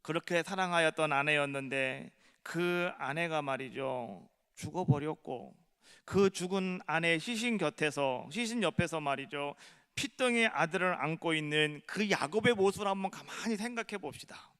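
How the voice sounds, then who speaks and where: A male pastor preaching a sermon, retelling a story slowly and softly, then building to loud, fervent appeals. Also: fairly high pitch, clean tone. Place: church sanctuary. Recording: echoey church hall.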